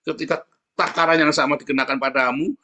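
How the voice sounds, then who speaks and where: A man from Indonesia with a Javanese Tegal accent, preaching a sermon in a chatty storytelling way. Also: fast talker. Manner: animated storytelling, jumps up into high mimicking voices.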